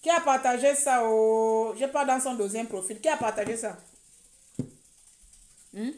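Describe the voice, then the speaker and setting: High-pitched woman ranting in an echoey room. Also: a little slow, a little mellow. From Gabon. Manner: heated and mocking, repeating words. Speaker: online commentator. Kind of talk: live social media rant.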